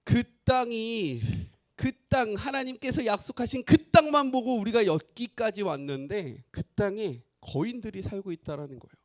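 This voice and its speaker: A man's voice: high voice, normal speed, few pauses. A male pastor preaching a sermon, who keeps the congregation involved by asking them frequent questions.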